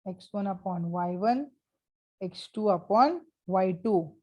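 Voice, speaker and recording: A woman's voice: mid-range voice, lively intonation, slow pace, a little mellow. A woman with a South Asian accent teaching a school maths lesson, sternly prodding pupils and checking for answers.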